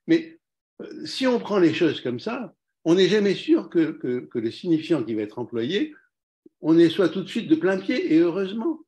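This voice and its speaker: A man's voice: a little high, very animated, moderate pace, dark tone. A man giving a reflective comment in an academic discussion on language and psychoanalysis, with hedging fillers. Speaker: lecture discussant.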